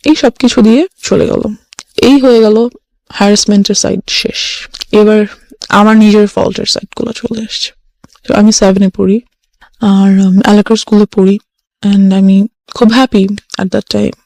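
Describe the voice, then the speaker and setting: A woman's voice: mid-range voice, mellow, no echo. A young woman calling in to a radio show, telling her personal story in a hesitant way and slipping English phrases into her speech. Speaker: caller sharing her life story.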